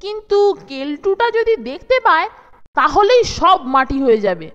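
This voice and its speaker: A woman's voice: extremely high pitch, very animated, normal speed, muffled recording, very noisy. A woman voicing an eager, wary young schoolboy in a children's cartoon, with a conspiratorial manner. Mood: wary, urgent. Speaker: cartoon voice actor. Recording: loud children's music behind the voice.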